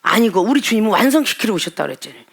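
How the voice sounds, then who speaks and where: A woman pastor preaching a sermon with fervor, moving from quiet asides to crying shouts and firing off scolding rhetorical questions. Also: mid-range voice, big pitch swings, racing, gravelly, husky.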